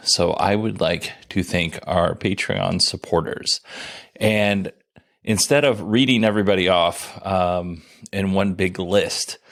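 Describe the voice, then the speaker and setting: A man with a very low voice hosting his own podcast. He talks casually in an even, somewhat monotone way, with dry, self-deprecating humor. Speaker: podcast host. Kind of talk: casual solo podcast commentary.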